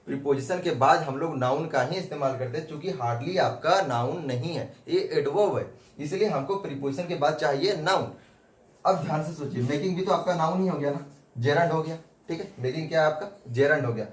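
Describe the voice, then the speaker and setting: A man giving a whiteboard grammar lesson who keeps asking questions and answering them himself, repeating points. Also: fairly high pitch. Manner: repetitive, asks and answers his own questions. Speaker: English grammar teacher. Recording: echoey room with faint background noise.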